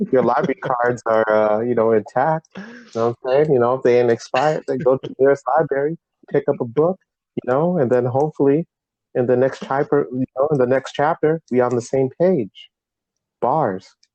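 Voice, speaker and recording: A man at a fairly quick pace, medium pitch and ordinary pitch variation. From Canada, Toronto, Ghanaian background. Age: 20s. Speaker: podcast co-host. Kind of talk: casual chat.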